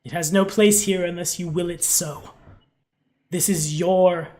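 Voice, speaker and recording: A man's voice: high-pitched, fairly even intonation, a little slow, a little mellow. A stern mystical woman of dreams, acted by a male game master. She speaks solemnly and with reproach, as a guide in a fantasy tabletop game. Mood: reproachful.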